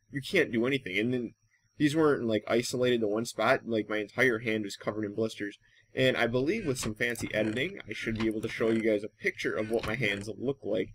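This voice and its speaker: A man hosting a casual, rambling gaming commentary, thinking aloud in a halting way and trailing off. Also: medium pitch. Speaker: gaming channel host.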